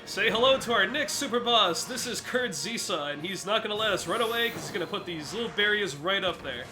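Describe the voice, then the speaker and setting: A man's voice: high-pitched, expressive, a little fast, music in the background. A congested man giving let's play commentary, explaining a game boss fight step by step to viewers. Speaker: gaming commentator.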